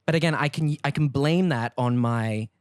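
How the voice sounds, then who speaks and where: A man's voice: mid-range voice, normal speed, a little mellow, dry recording. A young man from Hong Kong, a guest comedian in casual podcast chat, self-deprecating and prone to hesitant restarts. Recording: dry close podcast mic.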